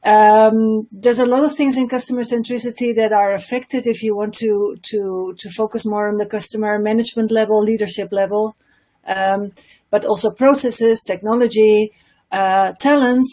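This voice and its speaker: A woman's voice: mid-range voice, steady tone, normal speed, warm tone. A woman from the Netherlands with a Dutch accent, introducing herself as a consultant on a panel in hesitant, broken phrases. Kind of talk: professional self-introduction.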